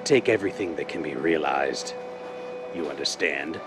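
An actor playing a blind, cold criminal mastermind in a deliberate, commanding, theatrical 1930s radio drama style. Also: male voice, extremely low pitch, animated, over music. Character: blind, cold, menacing male crime mastermind called the Owl. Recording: noisy vintage-style radio drama recording.

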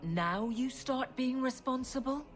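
A woman's voice: high voice, unhurried, soft background music. A woman, an actress playing a stern, dutiful guard captain in a fantasy game, speaking firmly and formally. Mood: exasperated. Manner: firm, scolding, formal. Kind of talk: game dialogue acting.

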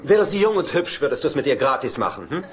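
A glib, wisecracking brother in a dubbed sitcom. His voice is a little high, with a dry, teasing delivery. The audio is clearly noisy, with a studio audience. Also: big pitch swings, fast, a faint crowd. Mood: probing, wry. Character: cheeky, sarcastic, wisecracking adult brother.

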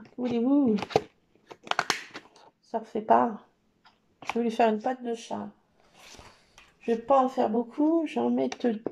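Over a noisy background, a woman whose voice sits on the high side, with vocal fry, talks to her viewers while making a scrapbook page. She's a scrapbooking vlogger, and her crafting chatter is playful and self-deprecating.

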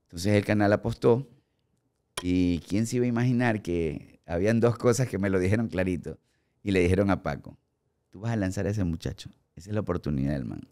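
Deep-voiced Ecuadorian man telling stories. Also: a little fast. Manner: animated storyteller acting out quoted remarks. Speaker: guest actor and impressionist. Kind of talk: casual podcast storytelling. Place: podcast studio with armchairs. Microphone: studio mic on boom arm, headphones.

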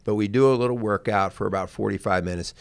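An American man in his fifties talks as a co-host on a casual radio show. His voice sits low, and he speaks plainly, repeating points for emphasis. The close studio mic gives a very dry sound. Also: quick pace, vocal fry, smooth, no echo. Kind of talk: casual conversational radio talk. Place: small wood-panelled studio. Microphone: close studio mic on boom arm, with headset.

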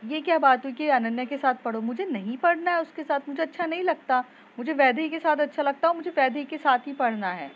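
A woman voicing an angry teenage schoolgirl who shouts back at her mother in a raised, heated voice in a told story. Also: sits high, fast, hardly any pauses, muffled recording, voice pushed up, natural voice. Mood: angry, defiant.

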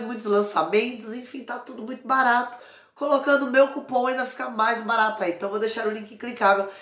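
A hoarse woman in her forties from Brazil with a São Paulo accent, chatting through a product review and joking about her cold-worn voice. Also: on the high side, reverberant. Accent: São Paulo Brazilian Portuguese. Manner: chatty, keeps saying "gente", jokes about her own voice. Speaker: beauty vlogger and sales consultant. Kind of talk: casual product review to camera. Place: indoor room with a brick wall.

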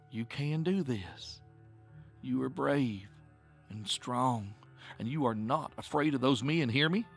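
A man voicing a protective woman in a story, speaking with calm, measured, tender reassurance. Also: mid-range voice, close to an everyday voice. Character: protective, steady Southern woman, tender soothing witch.

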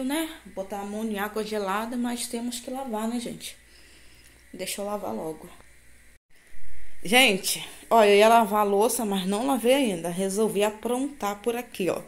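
A woman with a Brazilian Portuguese accent narrating a casual home vlog, chatting familiarly to viewers and often seeking their agreement. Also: mid-range voice. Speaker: home vlogger. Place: at home, in kitchen and yard. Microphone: handheld phone. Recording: noisy handheld home recording.

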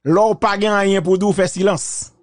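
A man gives measured, reflective commentary, mixing French and Creole. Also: high-pitched, no echo, clean studio sound.

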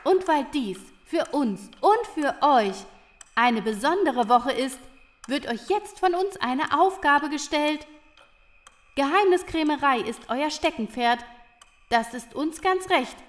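Woman as a high-voiced, proud little creature leader. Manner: ceremonious, theatrical rhyming delivery. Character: Eika, proud female little-creature master of the timekeeper chamber. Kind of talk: children's audio drama acting.

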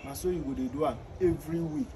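A man's voice: a little high, fast talker, warm tone. A man in his thirties with a Nigerian Pidgin English accent, a fish farmer explaining the steps outdoors beside his fish tanks and repeating the key points. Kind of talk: outdoor farming tutorial. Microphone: phone camera at a short distance. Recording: outdoor phone video with noticeable ambient noise.

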